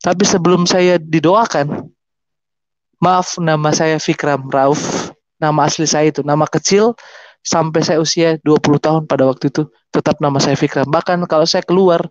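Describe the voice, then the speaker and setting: A man giving an emotional testimony, telling his story in an animated way and acting out voices and gestures. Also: on the high side, moderate pace, no echo, lo-fi sound.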